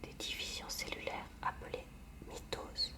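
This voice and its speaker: A woman reading a textbook aloud in a hushed library whisper for ASMR, with short informal asides. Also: a little slow, recorded from a distance.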